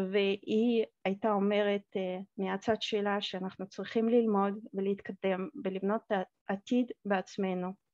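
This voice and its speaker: A woman speaks at medium pitch with fairly even intonation. The sound is dry with no echo, and the background is quiet. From Uzbekistan. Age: 40s. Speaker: graduate student presenting her internship; guest. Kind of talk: presentation on a video call. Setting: video call. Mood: warm, personal. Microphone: headset.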